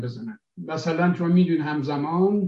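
Here a man speaks at a fairly slow pace with a high pitch. His pitch varies in an ordinary way. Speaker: sociologist and professor. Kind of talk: lecture.

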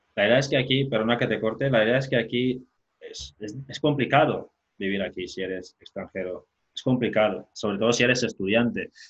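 A man talks at a fairly quick pace with a medium pitch. His intonation stays fairly even. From Equatorial Guinea, Bata. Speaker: podcast host. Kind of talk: interview conversation. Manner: hesitant, many fillers.

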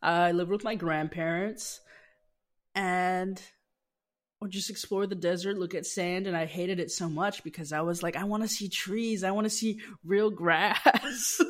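A normal speaking voice with fairly even intonation moves at a moderate pace on a very clean recording with a silent background. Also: woman, medium pitch for a woman. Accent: American. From Las Vegas, Nevada, US. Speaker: artist. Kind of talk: interview conversation.

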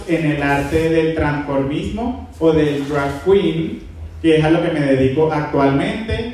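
A man's fairly high voice at a very slow pace, over noticeable background noise. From Venezuela, Margarita Island. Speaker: drag performer. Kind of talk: live podcast interview. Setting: bar stage with audience.

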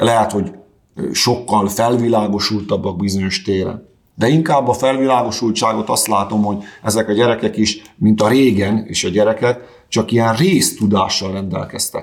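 A man with a fairly low pitch and an unremarkable speaking voice talks at a moderate pace, his intonation fairly even. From southern Slovakia (Hungarian minority), Bős. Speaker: history teacher. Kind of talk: interview.

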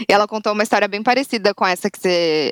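In a dry, close sound with no echo, a woman at medium pitch with ordinary pitch variation has an unremarkable speaking voice. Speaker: podcast co-host. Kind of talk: casual chat.

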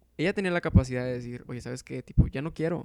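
A man's voice with ordinary pitch variation. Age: 20s. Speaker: university student podcaster. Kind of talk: casual chat.

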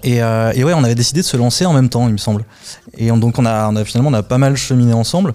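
The speech moves at a very fast pace with very even loudness over noticeable background noise. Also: man, medium pitch for a man, ordinary pitch variation. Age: 30s. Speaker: podcast host and public speaking trainer. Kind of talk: casual chat.

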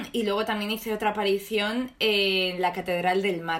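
A woman with an Aragonese accent talks at a moderate pace in a fairly high pitch. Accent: Spanish (Aragon). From Spain, Zaragoza. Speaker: actress. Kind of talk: interview.

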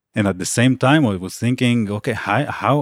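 With an Israeli accent, a man talks at a fairly quick pace, his medium pitch showing ordinary variation. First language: Hebrew. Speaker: graffiti artist. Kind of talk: interview. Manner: halting.

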